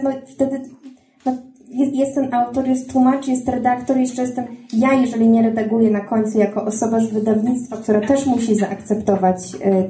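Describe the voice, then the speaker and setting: A woman's voice: a little high, warm tone, roomy sound. A woman, a book editor, talking in a podcast conversation, thoughtful and hesitant, with many fillers and restarts.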